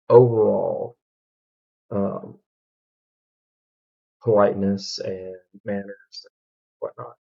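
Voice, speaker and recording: A man from Alabama with a Southern accent, reacting to a video in casual commentary, halting with many ums and restarts. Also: fairly low pitch, gravelly, highs cut off.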